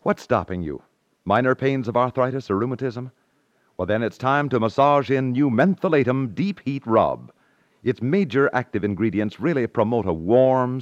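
A man's voice: medium pitch, dry recording. A man delivering a scripted commercial as a 1950s radio announcer. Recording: dry, dull 1950s radio recording.

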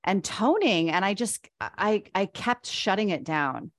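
A woman's voice: medium pitch, very animated, measured pace, dry recording, clean studio sound. A middle-aged woman co-hosting a podcast, sharing a personal story earnestly with lots of fillers. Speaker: podcast co-host. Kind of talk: casual chat.

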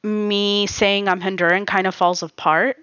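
A woman's voice: medium pitch, little pitch movement, a little slow, a bit bright, clean tone, no room sound, muffled recording. A woman in a casual interview, talking reflectively about her family and peppering her speech with "you know" and "like.". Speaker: guest. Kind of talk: casual personal conversation.

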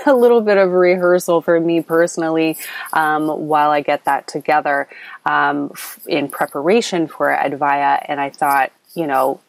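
A woman with a low pitch and a slight lilt hosts a spiritual coaching podcast monologue, speaking earnestly and wandering off track, with ums and restarts. Her voice is a bit scratchy and creaky, captured on a close mic in a recording app, dry with no room sound.

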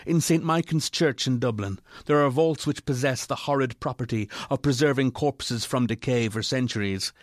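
A man narrating a literary ghost story in a measured, formal way. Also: medium pitch, dry recording, studio quality, natural voice.

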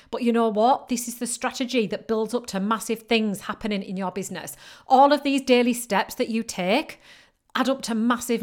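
Woman, northern English accent, fairly high voice, emphatic repeating coach, motivational podcast. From northern England. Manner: emphatic, repetitive encouraging delivery. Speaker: business coach.

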